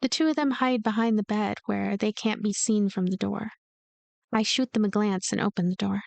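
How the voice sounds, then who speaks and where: A woman's voice: mid-range voice, steady tone, normal speed, vocal fry, a little mellow, no room sound. A woman doing a voiced let's play, narrating a story game aloud with casual commentary. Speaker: let's player reading game text aloud.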